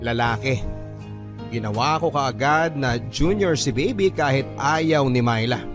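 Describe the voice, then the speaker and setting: Guy narrating a love story in first person, average pitch, music playing under him.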